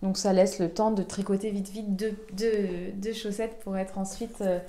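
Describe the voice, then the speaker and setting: A woman's voice: mid-range voice, little pitch movement, moderate pace, warm tone. A woman hosting a knitting podcast, chatting casually and showing her projects, with frequent fillers and restarts. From France. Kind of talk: casual show-and-tell chat. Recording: echoey room.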